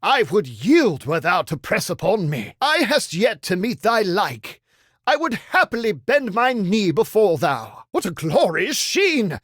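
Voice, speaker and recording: An actor playing a theatrical, fawning and easily offended medieval knight for a video game, speaking mock-archaic English. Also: male voice, high voice, a bit bright, no echo, studio quality, heavily acted. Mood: fawning, admiring. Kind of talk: video game character voice lines.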